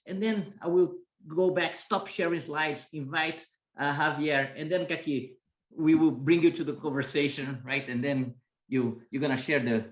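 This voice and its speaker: A man's voice: fairly high pitch, echoey room. A man with a Brazilian accent hosting a business school webinar, talking conversationally with frequent "right?" tags. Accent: Brazilian Portuguese. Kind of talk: webinar presentation.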